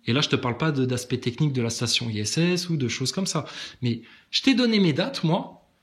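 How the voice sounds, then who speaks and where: A man's voice: animated, a little fast. Combative man ranting at commenters. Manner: combative, mocking, big pitch swings. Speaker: online commentator.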